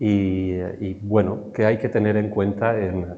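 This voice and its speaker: A soft-spoken man talks very slowly at a fairly low pitch. Room echo is audible. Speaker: tax advisor. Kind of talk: talk at a seminar. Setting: hotel conference room with audience, microphone. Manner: halting.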